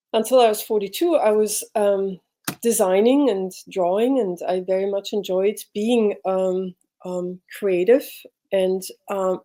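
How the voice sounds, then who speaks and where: Mellow middle-aged woman reflecting. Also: medium pitch. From Switzerland. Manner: reflective, halting, searching for words. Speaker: podcast guest. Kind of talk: personal storytelling in an interview.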